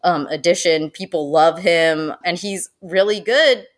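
A woman who works as a zoo animal educator, chatting casually in an interview, animated and laughing often. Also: fairly low pitch. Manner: animated, laughing, with quick excited quoted asides.

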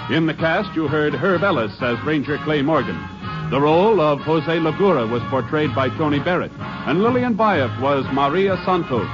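A man reading credits and closing announcements in a formal, measured 1950s radio announcer style. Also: on the high side. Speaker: program announcer. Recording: dull 1950s radio transcription with music behind.

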